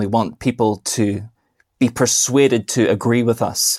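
In a very clean recording with a silent background and a dry, close sound with no echo, a man with a Northern Irish accent speaks at medium pitch with ordinary pitch variation. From Northern Ireland. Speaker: pastor. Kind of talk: podcast interview.

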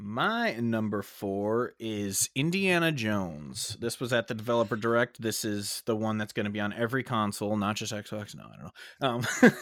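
An ordinary speaking voice, this man's is fairly low in pitch with ordinary pitch variation and big swings in loudness, moving at a moderate pace in a very clean recording with a silent background. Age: 30s. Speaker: podcast co-host. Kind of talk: casual chat.

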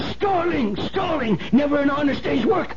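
Clear background noise accompanies a speaker doing a put-on character voice. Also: moderate pace. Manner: scolding.

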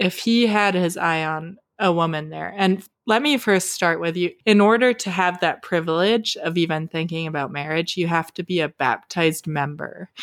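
This woman has a normal speaking voice with an American accent, a fairly low pitch and ordinary pitch variation, moving at a moderate pace on a very clean recording with a silent background. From upstate New York and England. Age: 30s. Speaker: former commune member, podcaster. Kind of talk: interview.

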